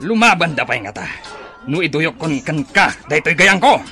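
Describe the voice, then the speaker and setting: A man's voice: a little high, sing-song, moderate pace, bright, forceful tone, faint music behind, exaggerated voice. A man playing a stern, protective tribal chief and father in a radio drama, emphatic and commanding, with an Ilocano Filipino accent.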